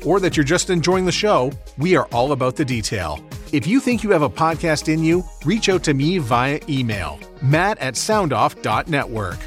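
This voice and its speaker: A man with a slightly high voice delivers an upbeat sales pitch. His pitch bounces around lively as he promotes his service, and his pace speeds up and slows down. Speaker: podcast network owner in an ad. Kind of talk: promotional read.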